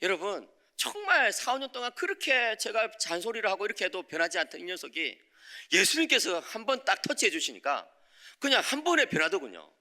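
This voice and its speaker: Animated high-voiced korean preacher. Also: male voice, brisk. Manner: animated, acts out quoted voices, frequent "예?" to the congregation. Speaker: preacher, visiting professor. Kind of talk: sermon with personal story. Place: church sanctuary.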